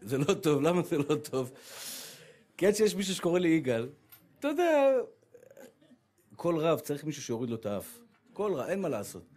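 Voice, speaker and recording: Animated high-voiced rabbi telling stories. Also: male voice, pauses often. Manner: animated storytelling, acts out voices of women and his wife. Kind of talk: humorous sermon.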